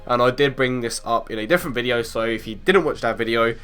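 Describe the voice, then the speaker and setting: A man's voice: medium pitch, a bit bright, clean tone, soft background music. A young man with a bit of a cold, hosting a casual game analysis video in a chatty way full of ums and restarts. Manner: chatty, lots of ums and restarts, quick laughs. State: has a cold, sounds a bit off. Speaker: mobile game video host.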